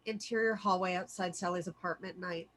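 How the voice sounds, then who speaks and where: A woman's voice: fairly low pitch, fairly even intonation, fairly quick, fairly bright tone. A woman narrating the stage directions of a film script expressively at a virtual table read.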